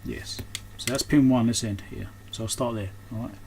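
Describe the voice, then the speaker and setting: A man's voice: medium pitch, moderate pace, a little mellow. A man giving casual, unscripted hands-on repair commentary, thinking aloud as he works. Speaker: host of an electronics repair channel. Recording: clearly noisy background.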